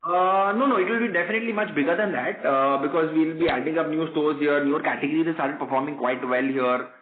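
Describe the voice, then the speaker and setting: A man's voice: fairly high pitch, steady tone, fast, crowd noise. A man with an Indian accent giving explanatory answers as a company executive on an earnings call. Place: conference call. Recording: muffled, roomy conference phone line.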